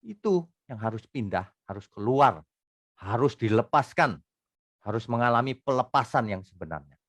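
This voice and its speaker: A man's voice: medium pitch, lively intonation, normal speed, no echo, clean studio sound. Emphatic man preaching. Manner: emphatic, swings between loud bursts and quiet asides. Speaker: pastor. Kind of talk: expository sermon.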